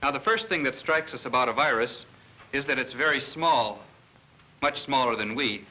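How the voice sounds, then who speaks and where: A man, a research scientist, giving an educational lecture in a measured, didactic way with pauses mid-sentence. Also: mid-range voice, sharp tone, rough recording.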